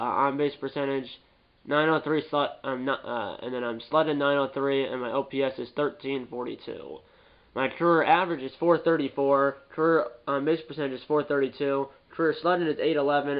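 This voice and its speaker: A man's voice: mid-range voice, smooth, dull audio. Congested man rambling through gameplay commentary. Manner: rambling, repeats and corrects himself. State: stuffy nose from a cold. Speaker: gaming YouTuber.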